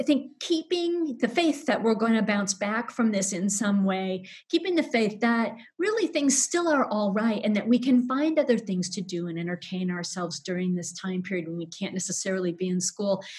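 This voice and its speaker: At a moderate pace and with hardly any pauses, a woman of medium pitch speaks in a somewhat breathy voice with very wide pitch swings. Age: 60s. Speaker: children's book author. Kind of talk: interview. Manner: halting, many fillers.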